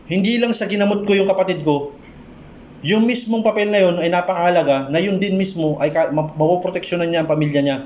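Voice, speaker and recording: A man sharing a story of his folk healing work in a slow, halting way, often pausing and restarting. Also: echoey room, slight background noise. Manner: drops low and soft when quoting his prayers and advice. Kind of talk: storytelling monologue.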